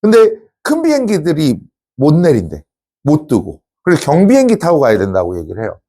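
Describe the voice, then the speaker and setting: Male teacher, casual classroom lecture, slightly high voice that swings widely in pitch, informal and teasing with students. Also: a little fast. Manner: chatty, teasing asides to students; lively, informal.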